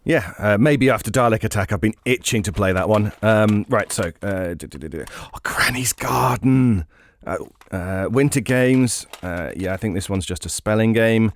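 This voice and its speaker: A man's voice: lowish voice, normal speed, natural voice. An actor playing a curious, easygoing British podcast host in an audio drama, chatting informally and hesitantly as he thinks aloud. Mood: musing, casual. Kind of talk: naturalistic audio drama dialogue, casual banter.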